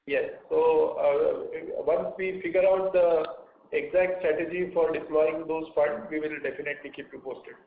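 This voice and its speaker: Exec, slightly high-pitched, measured, tinny phone line. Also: male voice, steady tone, gravelly, echoey room. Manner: measured, frequent "uh" pauses. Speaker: company executive. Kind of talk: earnings call answers.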